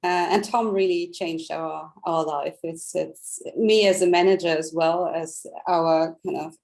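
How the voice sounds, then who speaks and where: A woman finance chief introducing herself on a video call in a measured, earnest way. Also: on the low side, fairly even intonation, vocal fry, a little mellow. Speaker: CFO, panelist.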